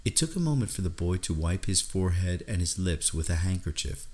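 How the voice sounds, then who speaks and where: Male narrator, deep voice, gothic audiobook, measured, dramatic, scripted reading. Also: big pitch swings, darkish tone.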